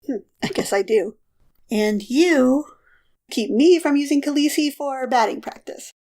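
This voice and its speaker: A fairly high, youthful voice for an easygoing college student, played by a woman in a romantic comedy podcast. The delivery is casual and flippant, full of dry joking. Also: expressive, unhurried, a little mellow. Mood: awkward, friendly. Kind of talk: audio drama romantic comedy dialogue.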